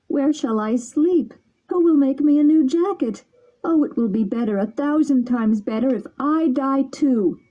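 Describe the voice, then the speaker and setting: A woman voicing a desperate, impulsive wooden boy puppet, pleading in a high tearful voice. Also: a little slow, dark tone. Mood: despairing. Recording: dull lo-fi recording.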